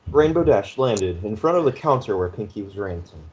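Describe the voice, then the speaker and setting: A man narrating a fanfiction story aloud in a steady, measured way. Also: on the low side, dull audio, a little hiss or hum.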